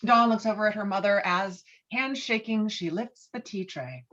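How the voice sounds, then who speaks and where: A woman's voice: medium pitch, normal speed, a bit bright. A woman reading stage directions as scripted narration, heard through muffled call audio.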